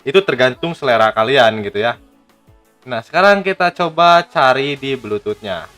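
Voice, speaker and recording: A man gives a casual hands-on gadget review. His voice sits at an ordinary male pitch, and he talks to viewers like friends, with music behind him. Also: animated, moderate pace, a bit bright. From Indonesia. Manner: chatty, addresses viewers as friends.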